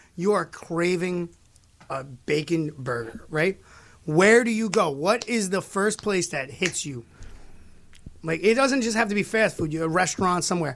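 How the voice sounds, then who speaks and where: A man with an American accent talks at a moderate pace in a high pitch. His intonation is lively. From New York City. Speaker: radio host. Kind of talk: live radio show banter. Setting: community radio studio. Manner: animated, boastful showman.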